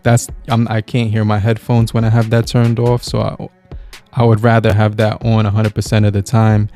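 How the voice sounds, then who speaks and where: A man giving a relaxed, casual product review, talking with many halting fillers. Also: on the low side, faint music behind. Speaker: gear reviewer. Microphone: podcast mixer with microphone.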